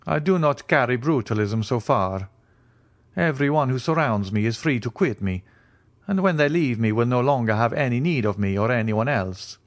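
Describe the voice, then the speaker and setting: Man voicing a lofty, higher-pitched mysterious count. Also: lively intonation, moderate pace, close to an everyday voice. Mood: lofty, calm. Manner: formal, precise, loftily composed. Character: mysterious, self-assured, aristocratic male count. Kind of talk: audiobook character dialogue.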